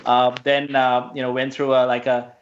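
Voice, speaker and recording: A man's voice: medium pitch, completely flat delivery, normal speed, highs cut off. A man from Sri Lanka, a guest on a radio interview, speaking hesitantly with many fillers and restarts.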